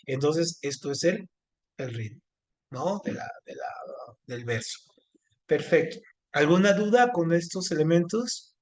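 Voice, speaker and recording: A man teaching an online class, speaking haltingly with many fillers and restarts. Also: fairly high pitch, expressive. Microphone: video call.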